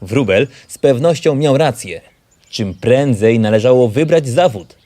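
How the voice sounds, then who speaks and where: Lively-pitched male storyteller. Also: a little slow. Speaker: narrator. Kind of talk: scripted children's story narration.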